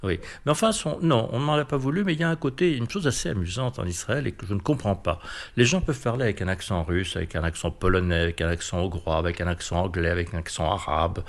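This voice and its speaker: Speaking fast in a low voice, this man with a French accent is an interview guest. His answers are thoughtful yet hesitant, peppered with fillers and restarts in a reflective, conversational exchange.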